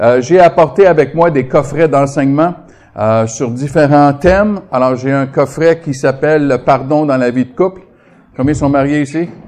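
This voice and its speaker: In a Quebec accent, a man with fairly high pitch talks at a fairly slow pace. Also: ordinary pitch variation. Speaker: guest preacher. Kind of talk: sermon.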